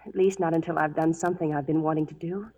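A woman's voice: sits low, steady tone, fast talker, dark tone. An actress playing a bold, worldly dance-hall girl, direct and probing in a radio western. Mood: challenging. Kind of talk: 1940s radio western acting. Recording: muffled vintage radio recording.

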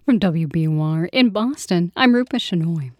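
A woman anchoring local radio news, reading scripted stories in a measured, factual delivery. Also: on the low side, animated, darkish tone, no room sound.

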